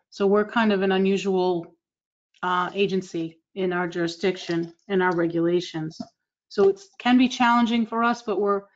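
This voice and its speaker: A woman with a Massachusetts accent reports on her agency's work. Her voice sits at a middle pitch with little rise and fall. The online meeting audio is a little dull. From Massachusetts, United States. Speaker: state agency representative. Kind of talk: informal progress report in a meeting.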